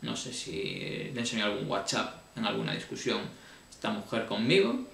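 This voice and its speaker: A man tells his own story in a colloquial, emotional way, full of restarts, sounding deeply upset. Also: expressive, normal speed, gravelly, fairly bright tone, roomy sound, slight background noise. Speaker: vlogger. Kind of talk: confessional personal account.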